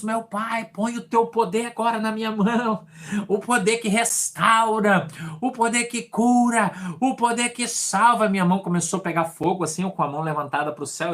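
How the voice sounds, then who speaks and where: A Brazilian pastor preaching and telling a testimony of his ministry. His voice rises to sudden shouts and drops to hushed asides. The delivery is lively and dramatic, in a sermon style. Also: a little high. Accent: Brazilian Portuguese. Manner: animated storytelling, swings from hushed to shouting.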